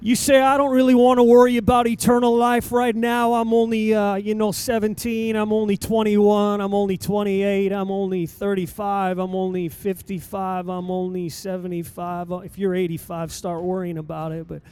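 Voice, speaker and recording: A pastor preaching a sermon in a church, with emphatic delivery and dramatic pauses. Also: male voice, high voice, monotone, darkish tone, clear, resonant tone. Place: church sanctuary.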